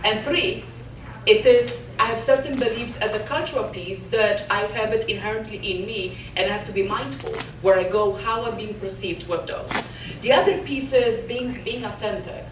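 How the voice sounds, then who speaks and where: A woman's voice: medium pitch, moderate pace, noisy background. A woman from Poland with a Polish accent, giving an earnest motivational conference talk and often restarting words. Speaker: conference keynote speaker. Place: conference hall. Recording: echoey hall from a distance.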